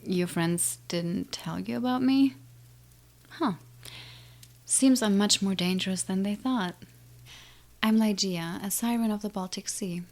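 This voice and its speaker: A woman's voice: mid-range voice, unhurried, long pauses, a little mellow, natural voice. A woman playing an ancient, menacing siren in an audio drama, taunting and condescending with a theatrical drawl. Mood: haughty. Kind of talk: audio drama villain acting.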